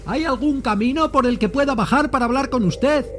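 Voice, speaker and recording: A man acts out a traveller in an audio drama, hailing someone far below. The voice is raised very high as it calls down from above, with faint music behind it. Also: a little fast, a bit bright. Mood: calling out. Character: male traveller calling down from a high embankment.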